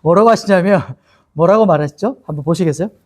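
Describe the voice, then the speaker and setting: A man's voice: sits high, fast talker, darkish tone. A male pastor teaching a Bible-study sermon in a chatty way, asking his listeners questions and laughing often.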